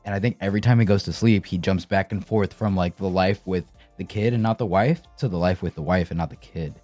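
A man's voice: deep voice, a little fast, darkish tone, no echo, soft background music. A man chatting casually as a podcast co-host, conversational and often checking that listeners follow. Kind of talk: casual chat.

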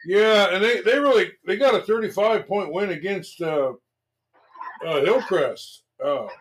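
A man's voice: high-pitched, measured pace, a little hiss or hum, low-quality recording. A man hosting a local sports talk show, chatting casually about games with many fillers and restarts. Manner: relaxed, lots of fillers and restarts. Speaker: sports radio host.

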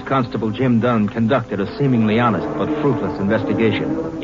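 A man narrating a scripted 1950s radio drama in a solemn, measured, documentary-like manner. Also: mid-range voice. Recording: dull old radio recording, loud music behind.

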